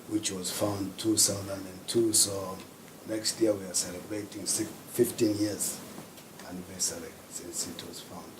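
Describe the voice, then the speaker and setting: A man from Tanzania, speaking unhurriedly as a panelist at a symposium and pausing often to find his words. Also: fairly low pitch. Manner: unhurried, searching for words with many pauses. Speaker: panelist, festival director. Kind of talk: panel discussion talk. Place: symposium hall. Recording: roomy hall with background noise.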